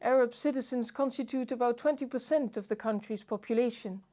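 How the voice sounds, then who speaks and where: A woman host speaks in a measured, formal way, first reading a scripted introduction and then putting questions to her guest. Her voice sits a little high and sounds mellow and warm.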